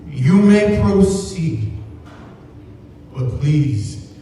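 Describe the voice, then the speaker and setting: A man playing a stern courtroom judge, loud, formal and commanding, in a live theatrical performance. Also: fairly high pitch, animated, extremely slow, a little hiss or hum. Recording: very echoey hall, far from the mic.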